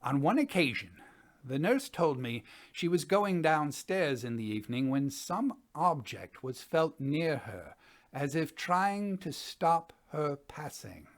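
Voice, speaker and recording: A man in his sixties playing a sober, methodical gentleman scientist, reading a formal report deliberately as a dramatic piece. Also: on the high side. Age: 60s. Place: indoors, small study.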